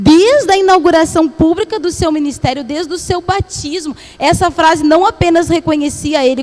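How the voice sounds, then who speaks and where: Over noticeable background noise, a woman with a Brazilian accent speaks at a moderate pace. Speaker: Bible study teacher. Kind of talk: Bible study lesson.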